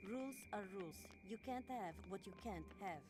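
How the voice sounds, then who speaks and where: A woman's voice: medium pitch, lively intonation, a little fast, a little mellow, natural voice. An actress playing a stern, officious woman enforcing the rules of a fight in a video game. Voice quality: clipped, officious. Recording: faint and distant.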